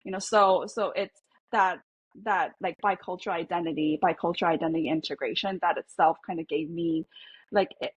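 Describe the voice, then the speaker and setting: A woman psychologist, a native Korean speaker, talks things over in a reflective, hesitant way, full of fillers and restarts. Her voice is husky and fairly low. The sound is dry and close. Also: steady tone, a little fast, dry recording, muffled recording. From South Korea. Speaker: psychologist guest. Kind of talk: podcast interview.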